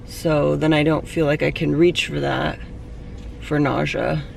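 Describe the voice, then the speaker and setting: A woman with a hoarse, fading voice, chatting candidly into a handheld camera for her vlog outdoors. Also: deep voice, level tone, measured pace. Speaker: vlogger. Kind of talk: casual vlog talk. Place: outdoors near traffic and parking lots. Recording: distant mic with street noise.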